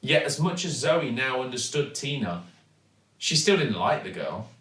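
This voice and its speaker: Give me a male storyteller with a bright, dramatic delivery for children, recorded in an echoey room. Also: medium pitch, very animated. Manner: dramatic, deliberate emphasis. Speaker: actor reading a children's story. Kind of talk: expressive storybook narration. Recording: echoey room, distant microphone.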